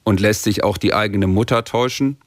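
A man's voice: fairly low pitch, fairly quick, very noisy. A man reporting a radio news feature in a plain, matter-of-fact, lightly wry way.

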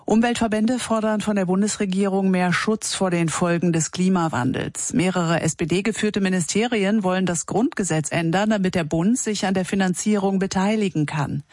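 A woman's voice: mid-range voice, moderate pace, few pauses, darkish tone, no echo, clean studio sound. A woman reading scripted radio news as the anchor.

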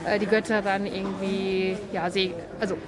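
A woman's voice: mid-range voice, flat delivery, normal speed. A woman in her thirties, interviewed casually, speaking hesitantly and searching for words. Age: 30s. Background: crowd chatter.

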